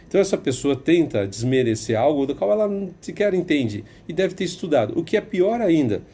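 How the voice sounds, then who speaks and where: A man's voice: medium pitch, mellow. A man with a Brazilian Portuguese accent giving an opinion commentary, emphatic and sarcastic, repeating phrases for effect.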